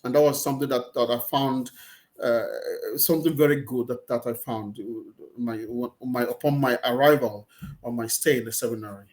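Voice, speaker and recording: A man's voice: mid-range voice, steady tone, moderate pace. A middle-aged man with a Nigerian accent, a Catholic priest talking over a video call. He often repeats words as he searches for the right phrasing. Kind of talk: casual interview conversation. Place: small room with plain white walls, indoors. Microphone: video call, laptop or webcam.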